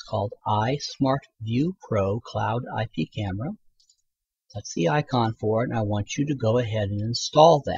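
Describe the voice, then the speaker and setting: A man speaks at a moderate pace and medium pitch, somewhat breathy, with lively intonation. The sound is dry and close with no echo. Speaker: product reviewer. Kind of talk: tutorial.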